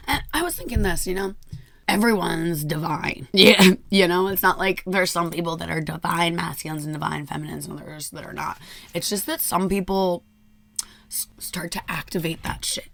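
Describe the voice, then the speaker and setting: A hoarse woman who has nearly lost her voice gives a chatty daily tarot reading into a microphone, laughing often. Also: mid-range voice, a bit bright. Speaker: tarot reader.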